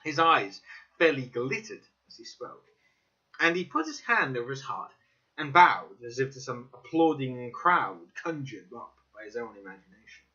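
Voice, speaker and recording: A man's voice: mid-range voice, big pitch swings, normal speed, pushed and bright. A man reading first-person fiction aloud as a dramatic narrator. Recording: dull, slightly lo-fi recording.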